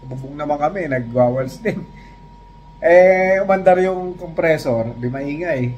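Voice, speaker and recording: A man's voice: fairly high pitch, unhurried, darkish tone, slight background noise, poor audio. A man from the Philippines, a vlogger, chatting casually and recounting a work story in an easygoing way. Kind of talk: casual chat.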